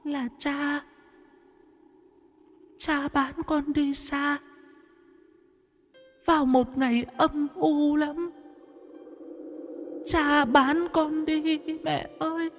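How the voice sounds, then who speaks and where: A faint, whimpering child ghost. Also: male voice, flat delivery, very slow, pauses often, in a large hall, soft background music, exaggerated voice. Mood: mournful. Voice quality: thin, faint, high whimpering voice.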